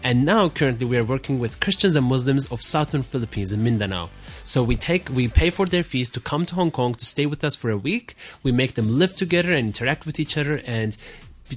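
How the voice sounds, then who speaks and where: A young man from Turkey talks as a guest on a studio talk show. His voice sits at an ordinary middle pitch and he explains things fluently and earnestly. Faint music plays under the recording. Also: lively intonation, a little fast. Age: young adult. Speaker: student guest.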